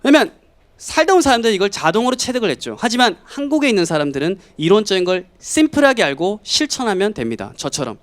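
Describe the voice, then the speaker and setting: A man in his thirties from South Korea giving a lively lecture to students, often acting out quoted voices. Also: sits high. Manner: animated, acts out students and family in quoted voices. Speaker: English lecturer.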